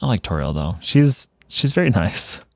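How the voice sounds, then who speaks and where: A man's voice: lowish voice, sing-song, moderate pace, gravelly, slight background noise. A man hosting a let's play, chatting casually as he comments on a video game.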